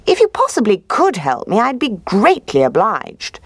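A sly, smooth-talking male fox, put on by a woman narrator, pitched well above her own low voice. He coaxes in a genteel, flattering manner and sounds close and dry. The pitch swoops brightly from line to line. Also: normal speed, no echo. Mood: coaxing. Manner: genteel, coaxing, says "old boy".

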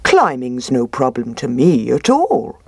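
A woman voicing a lazy, good-natured male brown bear who talks slowly and cheerfully. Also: a bass voice, huge pitch swings, darkish tone, slightly rough, no room sound, exaggerated voice. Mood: obliging. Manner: slow, cheerful, obliging.

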